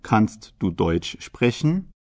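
A man playing a young German from Hamburg in a scripted language listening exercise, speaking deliberately and articulating carefully. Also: fairly low pitch, very animated, a little mellow, no room sound, clean studio sound. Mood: plain, measured.

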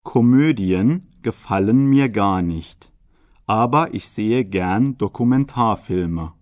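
Slow, low-voiced young German man, acted. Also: expressive, darkish tone, dry recording, lo-fi sound. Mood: plain, measured. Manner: deliberate, carefully articulated. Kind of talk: slow scripted language listening exercise.

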